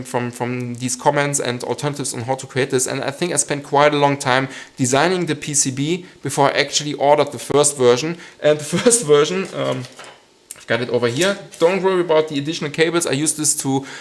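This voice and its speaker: German man, hesitant and slightly high. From western Germany. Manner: hesitant, many ums, chuckles often. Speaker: hobby maker hosting a live stream. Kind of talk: live stream Q&A, casual chat.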